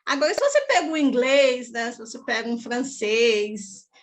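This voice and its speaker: High-pitched Brazilian woman teacher, chatty. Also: very animated, moderate pace. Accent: Brazilian Portuguese. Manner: chatty, often adds tag questions. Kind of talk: casual talk on language and culture.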